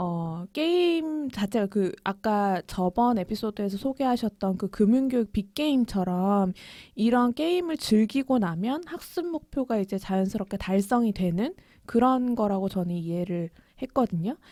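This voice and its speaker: Speaking at a fairly slow pace, a woman with a fairly high pitch and a dark, mellow tone swings her pitch very widely, the sound dry and close with no echo on a very clean recording with a silent background. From Gyeongsang region, Korea. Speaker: podcast co-host, education specialist. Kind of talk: casual panel discussion.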